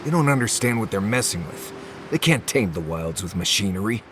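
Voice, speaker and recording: An actor playing a suspicious, blunt wilderness guide in a video game, with dry, sardonic grumbling. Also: male voice, lowish voice, expressive, brisk, noisy background, close to an everyday voice. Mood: disdainful. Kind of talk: naturalistic video game dialogue.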